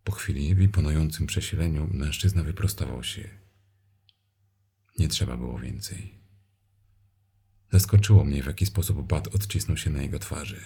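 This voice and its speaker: A man reading an erotic story aloud in a hushed, intimate manner that at times drops to a whisper. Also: a bass voice, moderate pace, pauses often, husky. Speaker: narrator.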